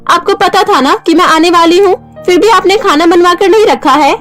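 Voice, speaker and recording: A woman's voice: high-pitched, fairly quick, faint music behind, voice pushed up, close to an everyday voice. Woman doing a spoiled, demanding young woman. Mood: petulant. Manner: petulant, demanding.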